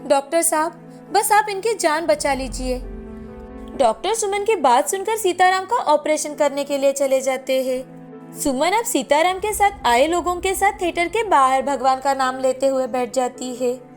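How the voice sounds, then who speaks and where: A woman narrating a scripted cartoon story in a steady, clear storytelling way. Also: high-pitched, normal speed, soft background music.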